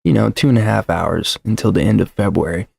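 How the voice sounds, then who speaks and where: Gravelly-voiced man rambling on a livestream. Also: on the low side, a little fast, a little mellow, dry recording. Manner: rambling, self-deprecating, many fillers and restarts. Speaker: livestream host. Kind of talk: casual livestream chat. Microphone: desk mic with shock mount.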